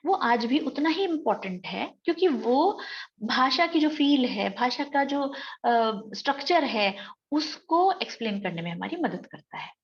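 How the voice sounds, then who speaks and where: A woman's voice: high voice, sing-song, muffled recording. A woman teacher with an Indian English accent, giving an exam-prep lecture and explaining step by step. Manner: explains step by step, reads sentences out slowly.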